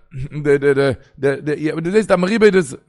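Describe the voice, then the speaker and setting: A man's voice: on the high side, normal speed, darkish tone. A man, a rabbi, giving a rambling Yiddish sermon with a Hasidic Yiddish accent, telling stories and quoting sources in a singsong. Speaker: rabbi giving a Torah talk. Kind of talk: Yiddish sermon on the weekly portion.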